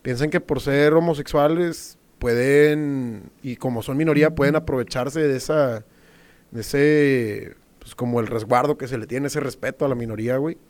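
A young man tells a story among friends. His talk is loose and slangy, full of swearing and quick laughs, at an ordinary pitch. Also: darkish tone. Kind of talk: casual storytelling chat.

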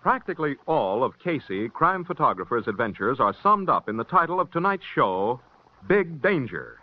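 Man, old network announcer, smooth promo read, animated, dull vintage sound with music. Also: mid-range voice, normal speed. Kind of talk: 1950s radio promo announcement.

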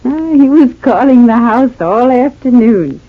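An actress playing a kindly, homespun older matriarch with country turns of speech, in old radio-drama style. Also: female voice, on the high side, lively intonation, measured pace. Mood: homely warm. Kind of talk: 1940s radio acting. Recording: tinny thin old radio recording.

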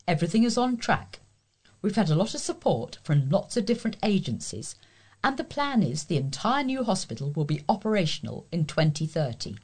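A woman's voice: on the low side, a little mellow, breathy edge. A woman with a British accent reading local news aloud as a volunteer newsreader.

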